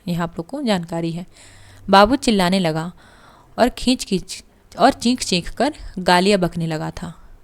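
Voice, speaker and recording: A woman literature teacher reading a story aloud and pausing to explain it to students. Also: lowish voice. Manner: slow, deliberate, pauses to explain.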